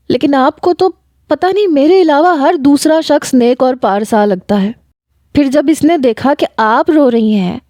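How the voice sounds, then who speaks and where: A woman's voice: high voice, mellow, no room sound, voice pushed up. A woman reading a story aloud and voicing a hot-tempered young woman who scolds with a raised voice.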